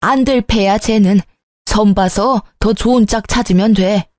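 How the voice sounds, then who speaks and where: A woman's voice: mid-range voice, measured pace, a little mellow, dry recording, clean studio sound, natural voice. A woman voicing a scheming middle-aged mother-in-law who turns from indignant to fawning, fussy and wheedling.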